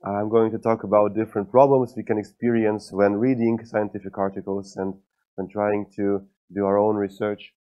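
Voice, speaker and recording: A man's voice: on the low side, a little mellow. A man gives a prepared conference lecture in a dry, joking way. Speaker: guest lecturer. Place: lecture hall. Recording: dull, lo-fi lecture mic.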